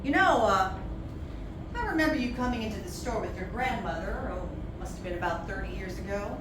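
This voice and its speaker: A woman's voice: mid-range voice, expressive, brisk, voice pushed down, natural voice. Lady doing ancient old jeweller guy in a stage reading, persistent and proud, echoey and far from mic. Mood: reminiscing, persistent. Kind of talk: dramatic monologue in a staged reading. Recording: echoey room from far off, noisy.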